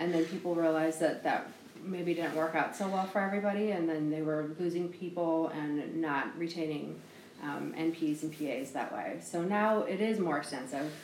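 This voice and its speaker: A woman speaks at a fairly low pitch and a moderate pace with fairly even intonation. Noticeable background noise and audible room echo are present. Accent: American. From Chicago. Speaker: nurse practitioner. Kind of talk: interview. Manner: hesitant, many fillers.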